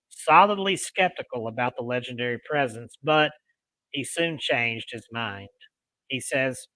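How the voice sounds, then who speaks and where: Male paranormal show host, deliberate storytelling read with casual touches, forward bright tone, dry recording. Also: medium pitch, no room sound, low-quality recording. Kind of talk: reading ghost stories aloud with casual asides.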